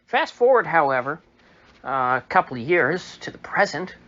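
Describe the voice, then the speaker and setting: A man who is ill, voice a little off, giving a halting, opinionated political commentary monologue full of fillers, recorded in a room. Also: fairly high pitch, big pitch swings, sharp tone, muffled recording, a little hiss or hum. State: sick, slightly off voice. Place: indoor room.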